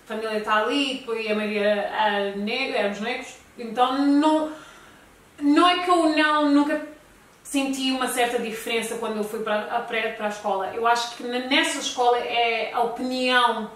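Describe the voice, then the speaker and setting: A woman's voice: on the high side, normal speed, fairly bright tone. A woman chatting casually as a guest, in a hesitant way that repeats phrases. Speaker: talk show guest. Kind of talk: casual conversation between friends. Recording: very echoey room, distant mic, faint noise.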